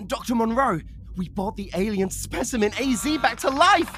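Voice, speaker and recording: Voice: mid-range voice, animated, moderate pace, lightly acted. A performer playing a panicked young scientist in a character demo reel, urgent and alarmed, buried under music and effects. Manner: urgent, breathless, alarmed delivery. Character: panicked young scientist reporting a revived alien specimen.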